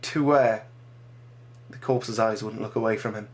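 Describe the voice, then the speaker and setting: A man reading his own dramatic short story aloud, measured and slowing for grim moments. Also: fairly low pitch, flat delivery.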